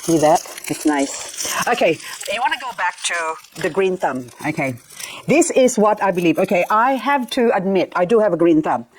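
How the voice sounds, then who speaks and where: This casual vlog features a middle-aged woman raised in the Philippines, playfully chatting and poking fun at herself as she cleans up succulents and repots them. She speaks at a normal speed in a fairly low, expressive voice. The recording is low quality, with slight background noise.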